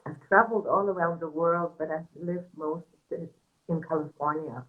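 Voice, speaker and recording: A woman from Germany who teaches on spiritual themes, talking in a slow, earnest, soft way and laughing lightly now and then. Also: sits low, steady tone, phone-quality sound. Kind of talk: reflective talk in a panel conversation.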